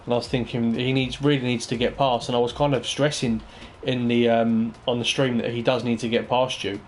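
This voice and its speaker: A man's voice: medium pitch, flat delivery, a little fast, slight background noise. A man hosting a casual post-race interview, matey and chatty with frequent ums and restarts. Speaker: interview host.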